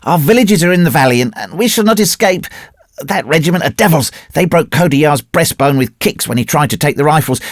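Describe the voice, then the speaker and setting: A man's voice: a little high, expressive, a little fast, no echo, clean studio sound, voice pushed up. A man voicing an alarmed tribesman who pleads urgently and declaims, in a storybook reading.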